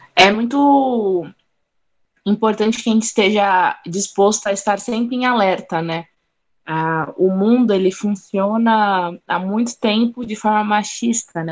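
At a fairly slow pace, a woman talks in an ordinary speaking voice with medium pitch and fairly even intonation. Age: 20s. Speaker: history student and activist. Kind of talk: panel discussion.

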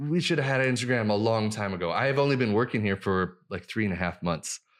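A man's fairly low voice at a very fast pace, lively intonation, and a quiet background. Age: 30s. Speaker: podcast host. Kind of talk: interview.

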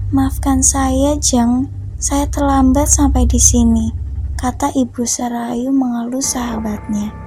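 Very slow speech over music in the background. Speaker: podcast host reading horror story. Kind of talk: horror story narration, reading aloud a first-person account. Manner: solemn tone, shifting to casual chatty host tone at the end.

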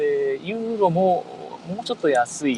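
Against noticeable background noise, a man talks at a high pitch with very wide pitch swings. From Fukui, Japan. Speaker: podcast host. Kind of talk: casual solo podcast talk.

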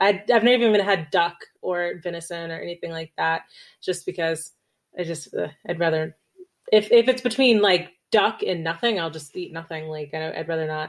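A normal speaking voice moves at a moderate pace with ordinary pitch variation. Its loudness swings widely. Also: woman, fairly low pitch for a woman. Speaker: podcast co-host. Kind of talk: casual chat. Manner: laughs often.

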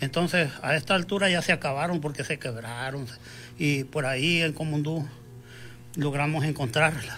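Music plays in the background as a man speaks at a moderate pace. His pitch is fairly high and his intonation fairly even. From rural Baja California Sur, Mexico. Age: 70s. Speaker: rancher and documentary director. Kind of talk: interview.

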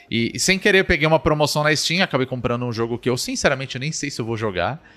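Music plays in the background as a man talks at a medium pitch with lively intonation. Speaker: podcast co-host. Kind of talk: casual chat.

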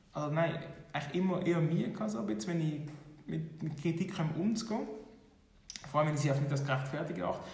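With audible room echo, a man talks at a very fast pace in a fairly high pitch with ordinary pitch variation. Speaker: football reporter. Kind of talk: interview.

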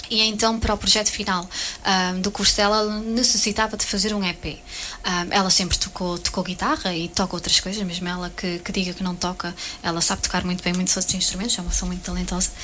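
A woman at a very fast pace, medium pitch and fairly even intonation, over noticeable background noise. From Belgium, Portuguese family. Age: 20s. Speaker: singer and songwriter. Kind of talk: radio interview. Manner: halting, many fillers.

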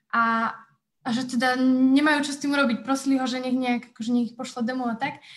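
A woman's high voice rushes at a very fast pace in a monotone, flat intonation. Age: 20s. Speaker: charity volunteer coordinator and teacher. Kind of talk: live stream interview. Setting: video call.

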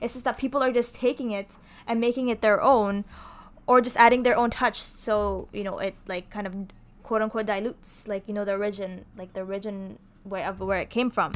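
With a fairly high pitch, a woman talks at a fairly quick pace. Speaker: podcast co-host. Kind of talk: casual chat. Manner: animated.

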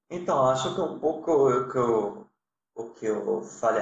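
Speaking fairly slowly, this man has a French accent. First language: French (speaking Portuguese). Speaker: legal tech founder, lawyer. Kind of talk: interview. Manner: halting.

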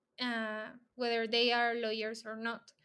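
A woman with a Spanish accent speaks very slowly in a bright, sharp tone. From Mexico. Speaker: co-host and law student. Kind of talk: interview.

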